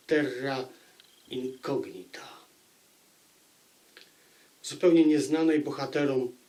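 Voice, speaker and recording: A man giving an unscripted book review, speaking deliberately and repeating phrases for emphasis. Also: mid-range voice, darkish tone.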